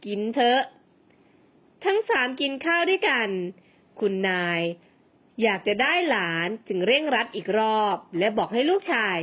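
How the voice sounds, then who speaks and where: Woman storyteller, high pitched, steady bedtime-story read, dull lo-fi recording. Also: normal speed, breathy edge. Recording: muffled lo-fi audio.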